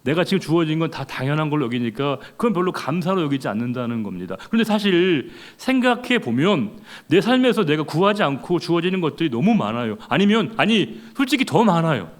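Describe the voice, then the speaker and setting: A man's voice: a little high, sing-song, fairly quick, few pauses. A middle-aged man preaching a sermon as a pastor, talking conversationally and putting rhetorical questions to the congregation.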